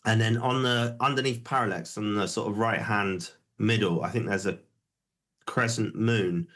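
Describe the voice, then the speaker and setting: A man's voice: lowish voice, steady tone, moderate pace, fairly bright tone. A man co-hosting a music livestream, chatting casually with lots of hesitations. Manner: rambling, easygoing, many hesitations. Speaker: co-host of a music review livestream. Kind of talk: casual chat.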